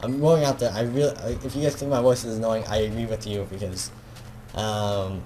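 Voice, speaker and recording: A man's voice: on the low side, steady tone, a little fast, dark tone, a little hiss or hum. A young man with a Filipino accent, rambling self-consciously in a casual video, full of fillers and restarts. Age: teenager. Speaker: gaming video creator.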